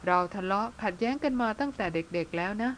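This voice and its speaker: A woman's voice: medium pitch, expressive, quick pace, a little hiss or hum, lightly acted. A woman reading the part of a bearded older brother who speaks bluntly and teases his younger sister. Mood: teasing. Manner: blunt, teasing, plain-spoken. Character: teasing bearded older brother, blunt but tender man.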